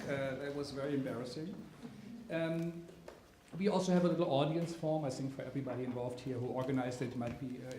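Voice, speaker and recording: A man at a theater event stumbles through his welcome speech, pausing often with fillers and restarting phrases. His mid-range voice rings through a roomy hall. A faint hum of noise sits under it. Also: medium pitch, a little mellow. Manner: halting, with many fillers and restarts. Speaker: event organizer giving welcome remarks. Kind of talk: live welcome speech to an audience. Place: theater auditorium at a live event.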